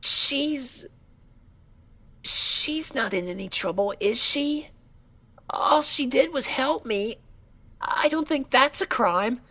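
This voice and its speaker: Timid injured cartoon pony mare: high, slow, hesitant, anxious audio-story voice. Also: female voice, expressive, pushed and bright, heavily acted. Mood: worried, defensive. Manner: hesitant, halting, pleading. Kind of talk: dramatic audio story acting.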